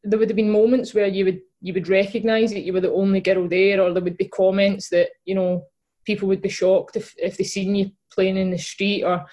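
A woman's voice: medium pitch, level tone, fairly quick, dark tone. Chatty Glaswegian woman. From Scotland. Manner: chatty, many fillers and restarts. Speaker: guest, footballer and podcast co-host. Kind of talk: casual interview chat.

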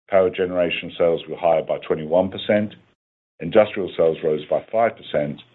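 A man reading a scripted corporate financial presentation in a formal, measured way, as an executive on a conference call. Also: low-pitched, slightly rough. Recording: tinny phone-like conference line.

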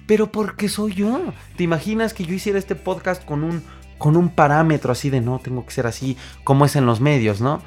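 A man with a Mexican accent, a podcast host and singer, telling stories in a casual, animated monologue full of fillers and restarts. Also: a little high, fairly quick, faint music behind. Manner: animated storyteller, acts out quoted voices, frequent fillers and restarts.

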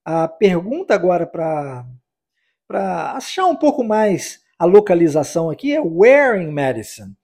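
A man with a fairly high, husky voice teaches English on a podcast. He explains each phrase in Portuguese and then says it over and over for the listener to repeat, in a patient classroom manner. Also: very animated, measured pace, a little mellow. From United States. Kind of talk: podcast language lesson.

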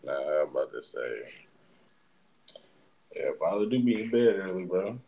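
A man with an African American accent bantering casually as a podcast co-host, animated and slangy, often repeating himself. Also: low voice, moderate pace, breathy edge. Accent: African American English.

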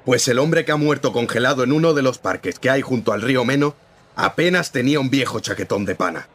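A man's voice: mid-range voice, fairly quick, fairly bright tone, natural voice. An actor playing a firm, principled newspaper editor-in-chief who lectures his young reporter in a radio drama. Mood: earnest. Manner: firm, lecturing, morally serious.

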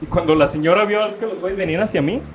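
A man's voice: sits high, over music. A man with a Mexican accent tells a story in casual, slang-heavy chat and acts out what people said. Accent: Mexican Spanish. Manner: rapid slangy storytelling, acting out quoted lines. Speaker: storyteller among friends.

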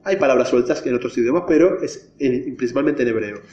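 A man's voice: medium pitch, quick pace, warm tone, slight background noise. A man teaching a class, explaining step by step and quizzing his students. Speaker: religion teacher. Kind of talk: classroom lesson. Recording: echoey, dull lo-fi room recording.

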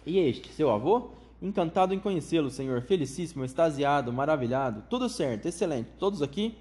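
A man voicing an eccentric, excitable chocolate factory owner with a high, flute-like voice who gushes out strings of welcomes. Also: natural voice. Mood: gushing. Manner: gushing, rapid strings of enthusiastic welcomes.

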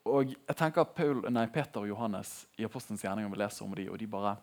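Gravelly young man preaching casually. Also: on the low side. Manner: conversational, animated, laughing at his own jokes. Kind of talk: sermon.

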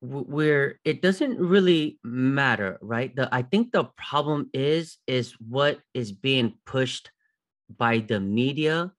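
A middle-aged man of Filipino heritage in casual podcast chat, animated and rising in pitch when he makes a point. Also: slow pace.

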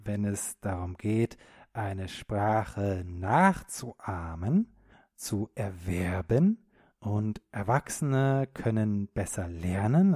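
A man hosting a podcast lesson for German learners, speaking slowly and clearly in an encouraging tone, often checking in with a quick question. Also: fairly low pitch, a little mellow, no room sound, studio quality. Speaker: podcast host and German teacher.

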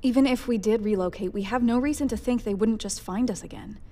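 An actress playing a calmly analytical fleet officer in a science fiction audio drama, reasoned and explanatory. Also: female voice, a little high, quick pace, natural voice. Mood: calm, reasoning. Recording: long echo of a hall.

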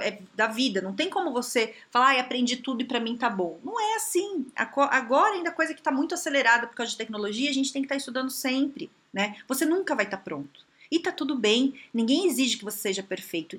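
A woman talks through career and behavior advice in a casual, conversational way. Her voice is bright and fairly high, and her pitch swings widely as she acts out quoted voices.

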